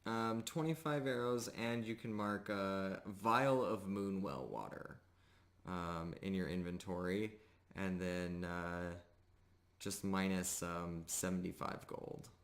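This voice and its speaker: A man runs a tabletop game as game master, improvising the narration. His voice is fairly low and he talks slowly, with hesitant, halting phrasing.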